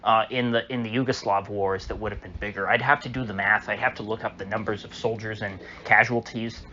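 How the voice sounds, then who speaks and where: This man's voice is lowish, bright and forceful, with fairly even intonation and a slightly fast pace. As a political commentator speaking alone, he rambles casually, hesitating with fillers and restarts. The audio is dull and lo-fi with a faint hiss.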